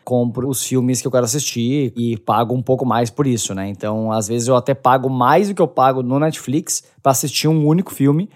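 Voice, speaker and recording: A man's voice: mid-range voice, steady tone, a little fast, hardly any pauses, darkish tone. Brazilian guy, mid-range voice, chatting casually as a podcast co-host.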